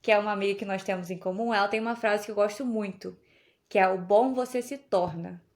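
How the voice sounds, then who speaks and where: A woman's voice: mid-range voice, steady tone, fast talker. A young woman from Brazil chatting casually as a podcast guest, telling stories and laughing often. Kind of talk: casual conversation.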